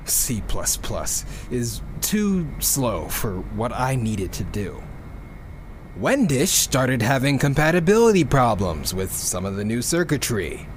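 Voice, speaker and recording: A man's voice: medium pitch, a little hiss or hum. A man playing a geeky, exasperated rocket programmer who rambles and swears through a casual audio log in a sci-fi drama. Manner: rambling, self-interrupting, swearing.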